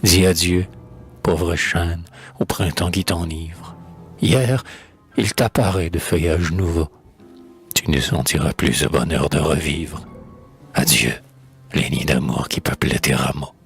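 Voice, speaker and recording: A man with an extremely deep, husky voice gives a solemn dramatic recitation of poetry. He takes his time, shaping each phrase in a declamatory, elegiac way. Music plays clearly behind him. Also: takes it slowly, long pauses. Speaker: poetry reader.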